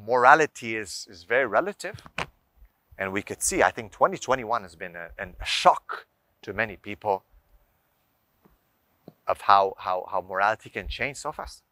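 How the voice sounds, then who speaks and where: A man's voice: fairly low pitch, a bit bright, no echo. A man giving an informal explanatory talk as a religious advice speaker, teaching emphatically with rhetorical questions and lists of examples. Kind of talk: informal explanatory lecture to viewers.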